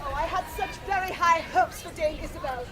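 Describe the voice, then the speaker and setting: A woman's voice: very high voice, brisk. A woman playing a stern, regal older queen in a theatrical faire show, speaking in stately, formal declamation. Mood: grave. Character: Queen Eleanor, regal, stern, scheming-wary older mother. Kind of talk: theatrical Renaissance faire stage acting. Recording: outdoor crowd and street ambience.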